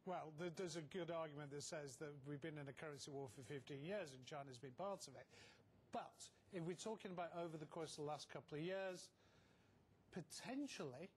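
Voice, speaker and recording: A man speaking as a market analyst in a live news interview, explaining in a measured way and repeating words for emphasis. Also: fairly high pitch, a little hiss or hum.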